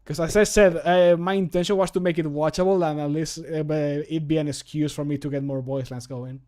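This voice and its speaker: A man's voice: a little high, fairly even intonation, a little fast, a little mellow. A man in his thirties chatting casually on a livestream from a home room, informal and self-deprecating. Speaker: streamer and amateur voice actor. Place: small home room, indoors.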